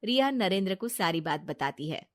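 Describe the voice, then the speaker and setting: Female narrator, steady and plain, for a cartoon storybook. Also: fairly low pitch, moderate pace.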